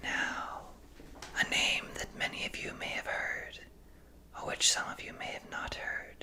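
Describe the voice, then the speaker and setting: The speaker whispers. Noticeable background noise is present. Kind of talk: ASMR story introduction. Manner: whispered, soft.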